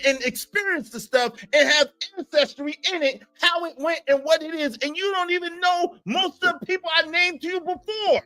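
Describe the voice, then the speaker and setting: A man's voice: extremely high pitch, pushed and bright, poor audio. A man hosting a heated live-stream debate, combative and talking over others.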